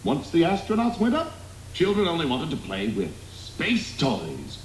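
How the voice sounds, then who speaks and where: A man's voice: on the high side, huge pitch swings, measured pace. A man voicing a bitter, world-weary old toy in a cartoon. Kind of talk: animated cartoon acting. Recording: echoey, faint noise.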